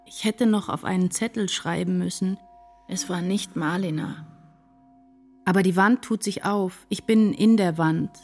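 An actress playing an anguished woman writer narrating her despair in a deliberate, intense literary radio drama monologue. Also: on the low side, a little mellow, soft background music. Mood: desperate, resolute. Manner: deliberate, intense, incantatory short phrases.

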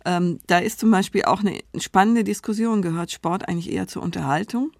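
A woman's voice: on the low side, brisk, creaky, no room sound, studio quality. A woman speaking as a media journalist in a panel discussion, thinking aloud and weighing her answers as she goes.

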